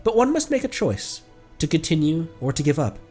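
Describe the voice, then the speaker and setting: A man voicing an earnest, pedantic academic who lectures in a halting way. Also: a little high, sing-song, darkish tone, faint music behind. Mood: reflective. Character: earnest, pedantic young academic of marine bones.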